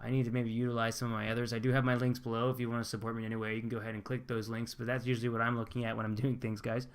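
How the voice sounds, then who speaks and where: A young man from Pennsylvania, USA, reads viewer comments aloud and responds in a casual, upbeat vlog chat full of loose restarts. His delivery is rapid-fire, with a clear, resonant, mid-range tone and little movement in pitch.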